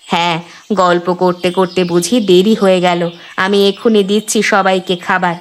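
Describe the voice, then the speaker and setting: A woman playing a gentle, resigned river gypsy mother in a cartoon, speaking earnestly and plaintively. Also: on the low side, fairly even intonation, normal speed, close to an everyday voice. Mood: gentle, contented. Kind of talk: cartoon dialogue acting.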